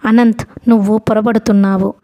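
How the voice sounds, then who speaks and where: A woman's voice: medium pitch, flat delivery, a little fast, warm tone, lightly acted. A woman voicing a grown man, an elder brother who questions his sibling with probing, teasing questions, in an audiobook novel. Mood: worried.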